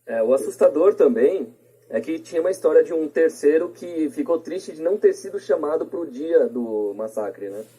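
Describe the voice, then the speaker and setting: Brazilian man, very husky voice, dark mellow tone, casual podcast guest chat. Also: fairly high pitch, lively intonation, normal speed.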